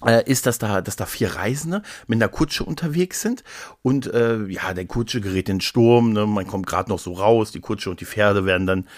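Low-voiced man telling stories in a close, dry recording. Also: normal speed, no echo. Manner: rambling, repeats words, playful. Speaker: podcast co-host. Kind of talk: casual conversational storytelling.

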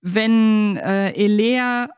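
A woman's voice: mid-range voice, extremely slow, darkish tone, clean tone. A woman co-hosting a podcast, chatting casually and enthusiastically. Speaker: podcast co-host.

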